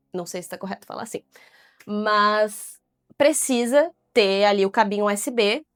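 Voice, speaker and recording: In a very clean recording with a silent background and a dry, close sound with no echo, a woman of medium pitch speaks at a fairly slow pace with ordinary pitch variation, big swings in loudness, and long, frequent pauses. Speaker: lifestyle vlogger. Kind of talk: casual vlog talk to camera. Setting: home office. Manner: clear diction.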